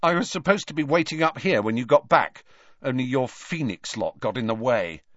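A man voicing a cornered teenage boy wizard who talks loudly, with a strained, rising voice. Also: animated, normal speed, no room sound, highs cut off. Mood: desperate. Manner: loud, strained, voice rising in pitch.

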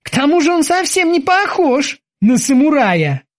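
A reader doing a high, cautious boatswain. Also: sing-song, moderate pace. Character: cautious young male boatswain.

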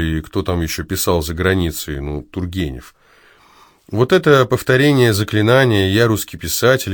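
A man's voice: on the low side, no room sound, studio quality. A man reading his own essay aloud in an ironic, argumentative way.

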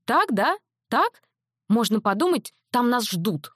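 A woman doing a shrill, frantic scolding mother. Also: very animated, takes it slowly, slightly rough, no room sound, clean studio sound, exaggerated voice. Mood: indignant. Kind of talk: audiobook character voice.

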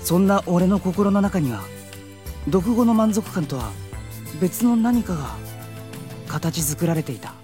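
Lively, cheeky high school boy. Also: unhurried, long pauses, over music. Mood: musing. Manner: playful, theatrical. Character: cheerful, cocky, encouraging high school boy. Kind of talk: anime-style audio drama acting.

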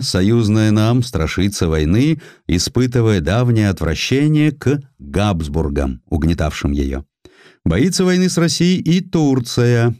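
A man voicing a commanding, shrewd and sharp-tempered German admiral in an emphatic, declamatory way for a historical audiobook. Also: deep voice, no room sound, clean studio sound.

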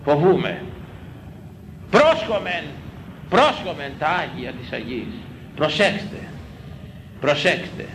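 A priest preaches with urgent, pleading emphasis, his voice leaping up and down in pitch as he repeats key phrases. He moves from loud outcries to near-hushed words. The sermon is heard in an echoey room with a faint hum of ambience behind it. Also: big pitch swings, pauses often. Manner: swings between loud exclamations and hushed lines.

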